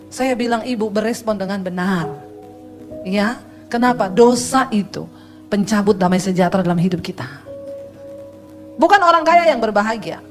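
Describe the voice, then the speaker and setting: Woman pastor, middle-aged, high voice, animated preaching, soft music underneath. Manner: lively preaching with storytelling and humor. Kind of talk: sermon.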